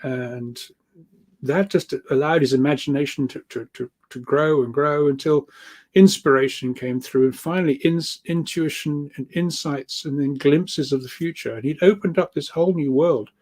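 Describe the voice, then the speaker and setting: A man's voice: fairly high pitch, moderate pace, darkish tone. A man explaining ideas informally as a guest speaker, rambling along and often repeating his words as he goes. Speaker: guest speaker, researcher of earth energies.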